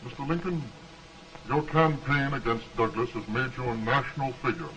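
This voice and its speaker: An actor in an early talkie film playing an earnest, formal political delegate with an oratorical way of talking, on an old noisy soundtrack. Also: male voice, mid-range voice, moderate pace, sharp tone, far from the mic, dull audio, natural voice. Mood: courteous.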